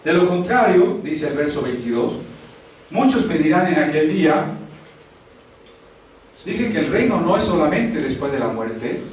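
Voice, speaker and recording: A man's voice: on the high side, very animated, a little slow, long pauses, slight background noise. A male pastor preaching a sermon in a conversational way, with frequent rhetorical questions. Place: church hall. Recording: echoey hall, far from the mic.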